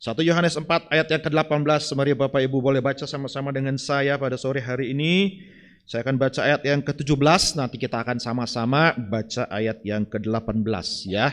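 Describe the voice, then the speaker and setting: Over a quiet background, a man speaks at a very fast pace with hardly any pauses. His pitch is fairly high, with ordinary pitch variation. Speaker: preacher. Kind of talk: sermon. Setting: church. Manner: soft-spoken.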